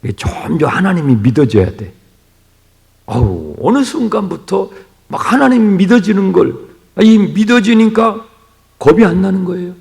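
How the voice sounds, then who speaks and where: A male pastor gives an early-morning sermon in a church, swinging from hushed near-whispers to loud exclamations and asking the congregation questions. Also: high voice, big pitch swings, normal speed, vocal fry. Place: church sanctuary. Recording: reverberant church hall.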